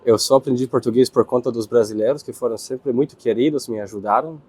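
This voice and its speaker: A young man from Israel with an Israeli accent, answering interview questions in his second language, pausing and searching for words. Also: mid-range voice, mellow, slightly rough. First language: Hebrew. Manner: hesitant, searching for words, with restarts.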